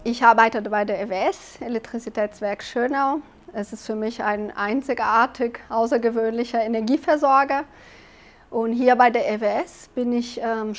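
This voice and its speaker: A woman from Brazil in her forties with a Brazilian Portuguese accent, answering interview questions thoughtfully in an office, pausing often with fillers on a lapel mic. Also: fairly high pitch. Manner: thoughtful, with frequent hesitation fillers. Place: office with large windows.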